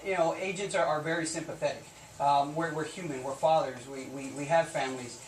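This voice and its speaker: This fairly high-pitched man speaks a little fast in a steady tone. As a Border Patrol officer fielding live news interview questions, he's plain-spoken, earnest and insistent. Sound quality shows roomy echo, faint noise and a distant microphone.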